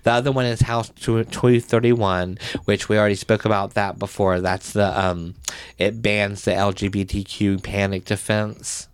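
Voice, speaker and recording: A man hosting a casual podcast, playful and chatty, laughing often, his voice getting a little raspy. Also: on the low side, flat delivery, moderate pace, dry recording. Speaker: podcast host. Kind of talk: casual chat.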